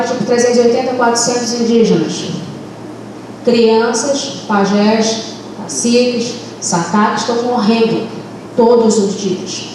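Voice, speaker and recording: A woman's voice: a little high, darkish tone. Earnest woman in an echoey hall. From Brazilian Amazon, Baré people. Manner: earnest, halting, fillers, speeds up when stirred. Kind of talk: impassioned panel talk. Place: lecture room. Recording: echoey hall from far off, noisy.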